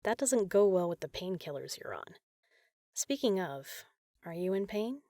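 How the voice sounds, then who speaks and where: A woman playing a caring, teasing big sister in an intimate comfort roleplay, talking softly and casually. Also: medium pitch, big pitch swings, a little slow, no echo, clean studio sound. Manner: soft, soothing, casual, playful.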